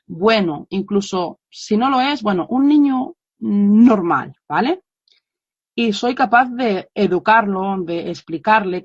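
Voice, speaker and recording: Woman, slow careful religious teacher, frequent restarts; dull, dry lo-fi audio. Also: medium pitch, dry recording. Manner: halting, many restarts and self-corrections. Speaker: religious teacher relaying a lecture. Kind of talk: informal Islamic study lesson.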